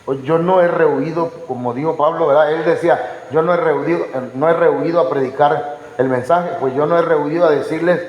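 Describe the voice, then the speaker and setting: A male pastor gives a testimony sermon, telling his story with lively acted-out dialogue. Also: a little high, fairly quick, dull audio. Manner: animated storytelling, acts out quoted dialogue. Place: church hall. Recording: echoey church hall with long reverb.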